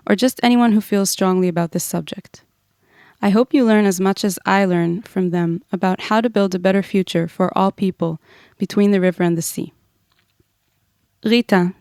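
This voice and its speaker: An Israeli woman in her thirties hosts a podcast, first reading an earnest scripted intro and then relaxing into a casual chat with her guest. Her mid-range voice is clear and resonant, captured at studio quality with no echo.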